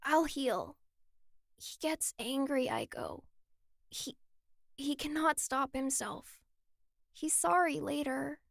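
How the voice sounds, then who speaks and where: A woman voicing a small, gentle, forgiving boy mage in an audio drama, croaking softly and haltingly as if to soothe. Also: sing-song, no echo, studio quality, full character voice. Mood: gentle, weak. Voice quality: high, creaky croak. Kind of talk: dramatic fan-fiction audio acting.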